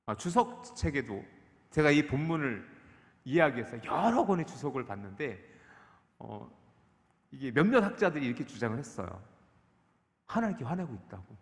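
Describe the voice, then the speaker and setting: A man preaching a sermon as a pastor, building through rhetorical questions and voicing a character's anger. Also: medium pitch. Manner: animated, rhetorical questions, acts out the speaker's anger. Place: church sanctuary. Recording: echoey church hall.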